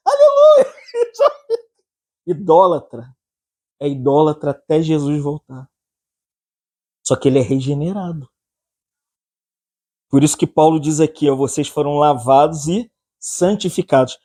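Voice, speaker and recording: A man's voice: on the high side, mellow. A man with a Brazilian accent preaching a humorous sermon, joking, laughing often and acting out anecdotes.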